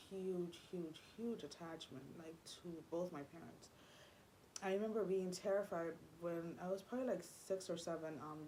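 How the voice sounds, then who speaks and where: A young woman whose first language is Spanish speaks in a low, unhurried voice. She confides her story in a rambling way, full of fillers and false starts. A faint hum of room noise sits underneath her. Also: darkish tone, low-quality recording. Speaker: vlogger. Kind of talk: personal storytelling vlog.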